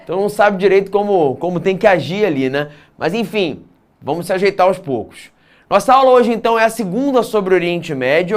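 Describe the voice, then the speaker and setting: Speaking in a high voice, a man leads an exam-prep geography lesson. His teaching mixes clear explanations, casual asides and frequent tag questions.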